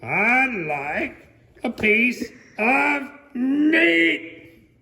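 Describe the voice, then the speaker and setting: Casting: comic storybook loudmouth, a man acting him out, high, drawn-out bellow, blustering and demanding. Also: very animated, vocal fry, full character voice. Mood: booming, insistent. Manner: booming, shouting.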